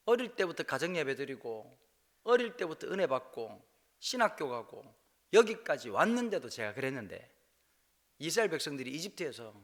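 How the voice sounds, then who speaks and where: A male pastor from Busan, preaching a revival sermon in a church with humor, moving between quiet asides and loud exclamations. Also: on the high side. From Busan, South Korea. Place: church sanctuary.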